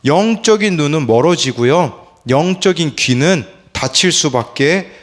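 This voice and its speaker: A man's voice: on the high side, expressive, unhurried. A man in his thirties, a pastor giving an early-morning devotional sermon. He keeps asking the listeners questions and acts out the quotes.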